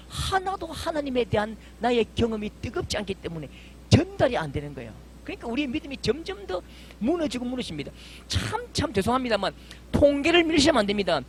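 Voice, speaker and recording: A man's voice: very high voice, a bit bright, breathy edge. A middle-aged male pastor, preaching a fervent, emphatic sermon full of vivid stories.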